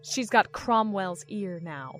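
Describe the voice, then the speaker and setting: An actress playing a secretive, condescending woman in command in an audio drama, measured and controlled. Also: medium pitch, expressive, soft background music. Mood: cool, knowing.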